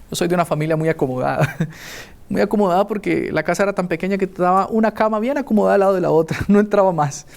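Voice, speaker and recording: A man from Colombia preaching a sermon, telling a childhood story with lively acted-out voices. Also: high-pitched. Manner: animated storyteller acting out voices.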